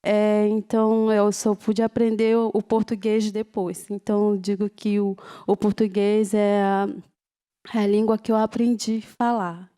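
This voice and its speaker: A woman from a Ticuna village in the Brazilian Amazon, whose first language is Ticuna, speaking slowly and haltingly on a discussion panel. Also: mid-range voice, flat delivery, dark tone, smooth. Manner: slow, halting, many pauses and fillers.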